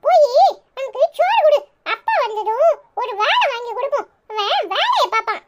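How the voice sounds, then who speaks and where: A woman voicing a squeaky cheeky little boy. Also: sing-song, normal speed, highs cut off. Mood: chirpy. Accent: Tirunelveli Tamil. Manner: chatty, bossy and cheerful. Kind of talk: cartoon voice acting. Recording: clear background noise.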